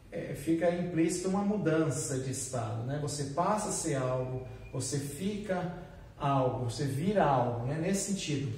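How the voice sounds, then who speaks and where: A man teaching an English lesson in a classroom, explaining slowly and repeating drill phrases. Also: fairly high pitch, darkish tone, a little hiss or hum. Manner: switches between explaining and acted example exclamations, slow repeated drills. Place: classroom with whiteboard. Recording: echoey room, voice from a distance.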